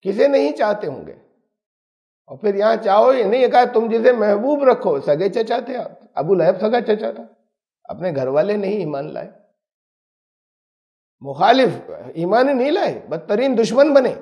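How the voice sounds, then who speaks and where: A man's voice: high-pitched, sing-song, dark tone. A man giving an emphatic, explanatory religious lesson on scripture. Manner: explanatory, emphatic, uses everyday examples. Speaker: Quran teacher.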